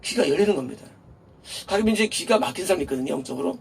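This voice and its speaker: A male pastor talks rapid-fire in a high, gravelly, husky voice with lively intonation. His conversational sermon mixes casual laughs with rhetorical questions he answers himself; the mic sits a bit far away and faint noise runs underneath.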